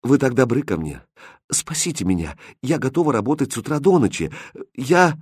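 A man's voice: mid-range voice, very animated, normal speed, a little mellow, husky, no echo, clean studio sound. A man doing a timid orphan girl. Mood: pleading. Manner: timid, pleading. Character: poor orphan girl posing as a doll.

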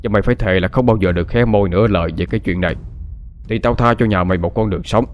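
A stern old patriarch, voiced by the male reader, lays down threats. He speaks briskly and coldly, close to the reader's own voice. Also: lowish voice, faint music behind, natural voice. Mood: menacing.

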